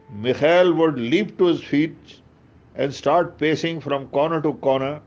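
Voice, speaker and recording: A man with a South Asian accent reads a book aloud as a storyteller, theatrical in delivery, with conversational asides. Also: mid-range voice. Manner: theatrical, hesitant in asides, switches between English and Urdu. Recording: dull lo-fi audio with background music. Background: music.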